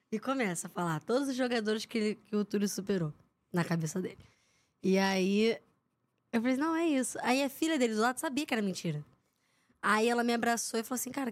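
Guest: young woman, reporter, slightly high voice, animated storyteller who imitates the people in her stories. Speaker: podcast guest, sports reporter. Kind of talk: casual anecdote-telling in a podcast interview.

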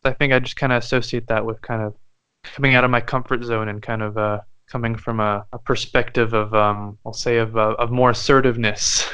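A young man from Canada whose first language is French, a musician guest speaking thoughtfully with many pauses and fillers. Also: medium pitch, flat delivery, pushed and bright, clean tone, dry recording. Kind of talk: casual interview chat.

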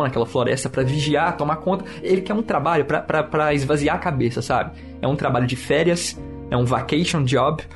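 A man with a Brazilian Portuguese accent hosting a podcast in casual, slangy, enthusiastic review chat. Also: mid-range voice. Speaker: podcast host. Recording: music behind the voice.

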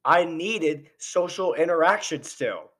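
The host's voice sits on the high side, fairly bright, with lively intonation and a slow delivery. On his podcast he offers fiery political opinion, asking rhetorical question after rhetorical question while his voice wears out.

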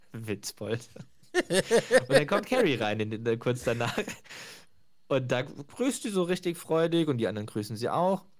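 A man hosting a podcast, casually retelling sitcom scenes, often laughing and lightly acting out the quotes. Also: mid-range voice. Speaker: podcast host.

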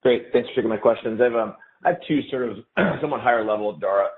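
A man's voice: mid-range voice, quick pace. A man asking questions as a financial analyst on an earnings call. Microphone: phone. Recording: tinny, narrow phone line.

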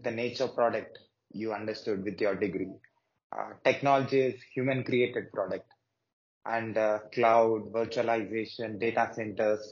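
A man hosting a podcast interview, asking his questions in halting, carefully built phrases with many fillers. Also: on the low side, darkish tone, lo-fi sound. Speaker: podcast host.

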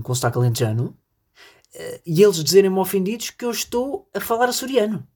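Husky-voiced podcaster. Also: medium pitch, darkish tone. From northern Portugal. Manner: rambling, jokey, addresses listeners directly. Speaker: podcast host. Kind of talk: solo comedic podcast monologue.

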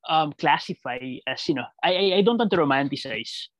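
A Filipino man answering reflectively in conversational Taglish, mixing Tagalog and English, halting and repeating words as he thinks aloud with a creaky voice. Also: fairly high pitch, expressive, fairly bright tone, no room sound.

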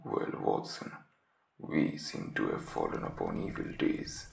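A man voicing a gravely ill but masterful detective in a weak, breathy croak, giving clipped, imperious orders in a story reading. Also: a bass voice, big pitch swings, unhurried, darkish tone, echoey room, far from the mic, pitched below the performer's own voice, exaggerated voice. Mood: weak, commanding. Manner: imperious, clipped commands with coughing.

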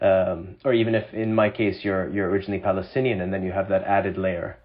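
A man's voice: deep voice, fairly even intonation, rapid-fire. A man speaking as an interview guest, explaining his thoughts earnestly in a conversational way, on slightly lo-fi audio.

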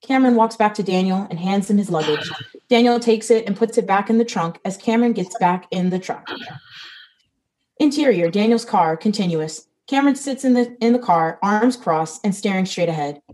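A woman reads out stage directions for a comedy script in a dry, matter-of-fact way. Her tone is mellow and dark, at a middle pitch. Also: normal speed, low-quality recording. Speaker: narrator reading stage directions.

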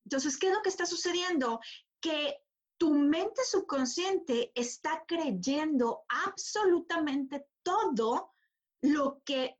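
A woman giving a motivational coaching talk, emphatic and repeating phrases for stress. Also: sits high.

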